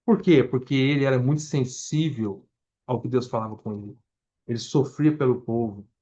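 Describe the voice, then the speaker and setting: This Brazilian man, whose Brazilian Portuguese accent colors a warm, mid-range voice at normal speed, reads scripture verse by verse during a Bible-study sermon. He speaks directly to the congregation, restarting words and explaining as he goes. The recording sounds muffled.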